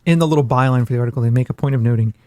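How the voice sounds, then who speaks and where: A man's voice: medium pitch, very fast, dark tone, no echo, clean studio sound. A man co-hosting a podcast in casual chat, rambling and self-deprecating with jokes. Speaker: podcast co-host.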